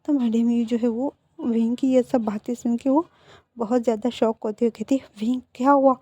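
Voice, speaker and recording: Soft-voiced woman narrating a story. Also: a little high, steady tone, normal speed, slightly rough, no echo. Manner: reads all characters' lines herself, emotional. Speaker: fan fiction narrator. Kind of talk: storytelling narration with acted dialogue.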